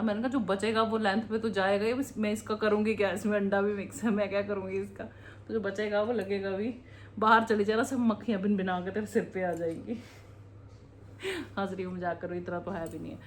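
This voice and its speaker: A woman's voice: mid-range voice, steady tone, fairly quick, slight background noise. A woman, chatting casually and rambling as she cooks in her home kitchen, laughing often. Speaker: vlogger, mother. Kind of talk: casual home vlog chat.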